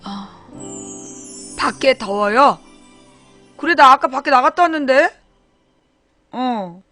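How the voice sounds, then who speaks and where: A middle-aged woman chats on her live stream, rattling off thank-yous to viewers and flaring into playful indignation. Her voice sits a little high. Music plays clearly behind her. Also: animated, slow. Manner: chatty, thanks viewers by name, bursts into mock outrage. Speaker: live-stream talk show host. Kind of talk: casual live-stream chat.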